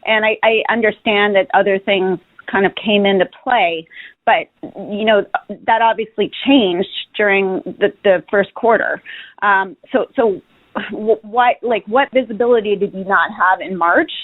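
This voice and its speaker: A woman's voice: medium pitch, measured pace, no room sound. A woman speaking as a financial analyst, putting several questions on an earnings call with hesitant, restarted phrasing. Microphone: phone. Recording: dry, tinny telephone line.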